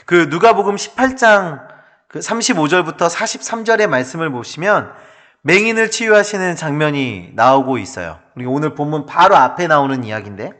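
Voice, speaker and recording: A male pastor preaches with dramatic energy and rhetorical questions. His voice sits high and swoops widely. The tone is bright and forward. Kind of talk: sermon.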